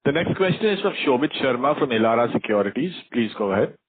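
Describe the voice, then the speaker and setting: A man's voice: medium pitch, big pitch swings, fast, noisy background. A man moderating a conference call, formally announcing who speaks next. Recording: tinny phone-like line.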